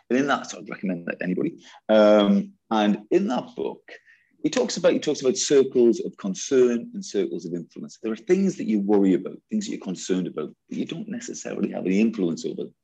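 A man from northeast England with a Geordie accent, a teacher talking animatedly in an interview, jokey and quick to repeat himself. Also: fairly low pitch, creaky, rough recording. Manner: lively, jokey, repeats words.

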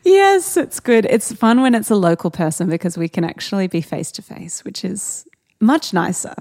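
A woman's voice: mid-range voice, expressive, normal speed, vocal fry, darkish tone. A woman hosting a podcast from her kitchen, chatting casually and playfully with her guest and laughing often. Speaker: podcast host. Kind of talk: casual interview chat. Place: home kitchen.

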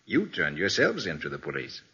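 An actor in 1940s radio style playing a confident, quick-witted private detective, assured as he explains. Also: low voice, huge pitch swings, heavily acted. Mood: triumphant. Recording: dull old radio recording.

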